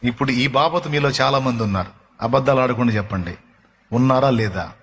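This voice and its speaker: A man's voice: mid-range voice, a little fast, a bit bright. A male pastor preaching a sermon with emphasis, often putting rhetorical questions to his congregation.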